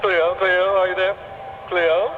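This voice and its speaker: A man's voice: sits high, little pitch movement, slow pace. A man playing a wounded, blustering father in an audio drama, guilt-tripping through a long-distance telephone filter. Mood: impatient. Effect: telephone filter over a long-distance line. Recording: muffled phone line with music behind.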